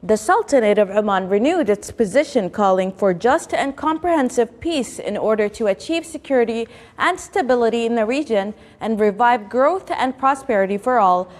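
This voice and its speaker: A woman's voice: mid-range voice, big-room sound. A woman news presenter reading a formal, scripted news bulletin.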